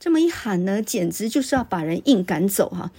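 A woman's voice: medium pitch, very animated, a little fast, mellow, husky. A woman hosting a literature show, retelling a story in a chatty way with many filler particles. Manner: conversational, frequent filler particles. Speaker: literature podcast host.

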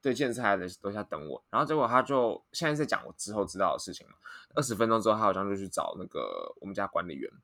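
Young male co-host, lowish voice, very rapid rambling anecdotes. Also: vocal fry, dry recording, studio quality. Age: young adult. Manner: rambling, restarts often, animated retelling. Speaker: podcast co-host. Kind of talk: casual storytelling chat.

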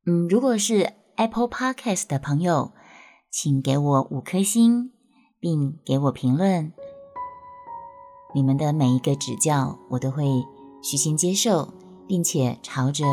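A woman's voice: low voice, a little slow, mellow, soft background music. A middle-aged woman with a Taiwanese Mandarin accent hosting her own podcast, reading a personal essay in a playful, self-mocking way. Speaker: podcast host.

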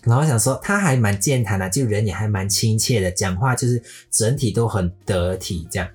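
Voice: medium pitch, a little fast, a little mellow, husky, faint music behind. A podcast host from Malaysia, speaking Mandarin with a Malaysian accent, telling a story in a playful way and slipping English words into the talk.

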